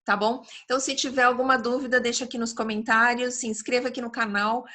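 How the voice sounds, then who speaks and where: A woman with a Brazilian Portuguese accent, teaching an online English lesson, explaining patiently and reading English examples slowly and carefully. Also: fairly high pitch, little pitch movement, bright, forceful tone.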